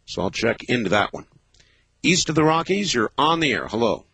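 A man of fifty hosting a late-night call-in radio show, talking in a thoughtful, measured way with many pauses and fillers. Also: mid-range voice, sing-song, sharp tone, slightly rough, no echo. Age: 50s. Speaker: radio talk show host.

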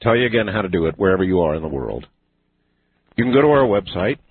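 A man hosting a late-night call-in radio show, speaking with a smooth radio host delivery. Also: deep voice, sing-song, fast, no echo. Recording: phone-like lo-fi broadcast with faint hiss.

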